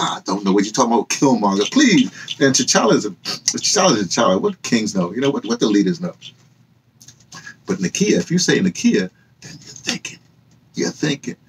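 Older American male, husky, highly animated delivery, emphatic unscripted commentary full of rhetorical questions. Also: poor audio. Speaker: vlogger and activist commentator. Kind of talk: impassioned off-the-cuff opinion monologue. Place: small cluttered indoor room with books and hanging fabrics.

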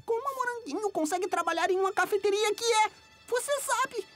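A tiny, jittery cartoon repairman talks in an extremely high voice with a Brazilian accent. He is gullible, excitable and pleading, over background music. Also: brisk. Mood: defensive, spooked. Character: jittery, gullible little male berry-creature repairman. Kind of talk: animated cartoon dub. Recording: music behind the voice.

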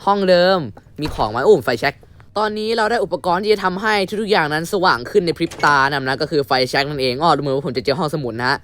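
A young man commentating a horror game playthrough, switching between a mock-polite announcer tone and crude, shouty outbursts. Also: fairly high pitch, quick pace. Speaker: gamer commentating his playthrough. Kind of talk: casual gameplay commentary.

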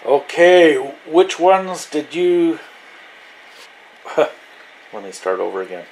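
Male hobby vlogger, casual and unhurried, loosely thinking aloud, slow delivery. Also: on the high side, big pitch swings, background noise. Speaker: radio hobbyist demonstrating receivers. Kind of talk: casual vlog demonstration. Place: small indoor radio desk.

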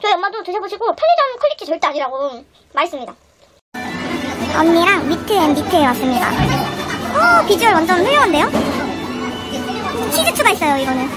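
A young adult woman vlogging a mukbang, chatting excitedly to the camera and humming as she tastes food between bites. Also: very high-pitched, a little fast, pauses often. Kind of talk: casual chat while eating on camera. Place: small indoor room, then a busy restaurant. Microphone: camera on the table in front of her. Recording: background music and restaurant chatter.

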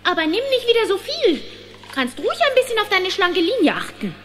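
A woman's voice: very high-pitched, very animated, brisk, noisy background. An actress playing a fussy, motherly woodworm wife who scolds in a children's audio play. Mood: nagging.

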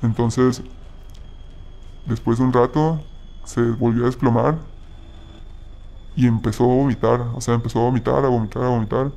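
A man telling a personal story in a halting way, often restarting his sentences. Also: medium pitch, fairly even intonation, vocal fry, dark tone. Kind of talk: personal story told casually.

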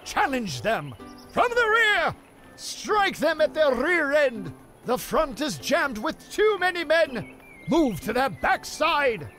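A man's voice: sing-song, slow, pushed and bright, soft background music, full character voice. A male actor voicing a pompous, bawdy medieval knight in a video game, delivering grand mock-archaic lines full of innuendo. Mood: commanding. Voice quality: high, theatrical voice with mock-archaic speech. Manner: grand, innuendo-laden pronouncements. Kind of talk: video game voice line reel.

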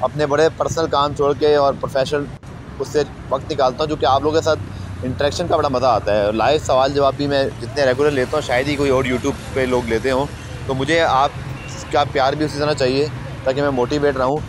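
A man's voice: medium pitch, steady tone, fairly quick, noisy background. A man with a Pakistani Urdu accent, talking casually and eagerly to his viewers as a sports journalist vlogger, often calling them janab. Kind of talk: casual commentary over outdoor footage.

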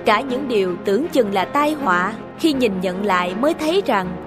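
A woman's voice: mid-range voice, lively intonation, normal speed, lightly acted. A woman voicing a proud, hot-tempered middle-aged male tribal chief in a dramatic cartoon folk tale. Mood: reflective. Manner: imperious, dramatic. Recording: studio voice over background music.

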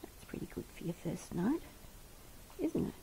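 A woman who rescues and cares for bats, gently talking and often whispering to an animal as she feeds it in a home kitchen, recorded on a head-mounted camera. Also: lowish voice, very animated, normal speed, vocal fry, slight background noise, rough recording. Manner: soft, coaxing, often whispering. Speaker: bat rescuer and carer. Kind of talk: gentle commentary while feeding an animal.

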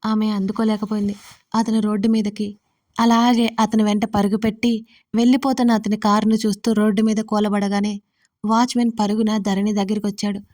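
A woman narrating a scripted audio story in a steady, even reading. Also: mid-range voice, brisk. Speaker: storyteller and writer.

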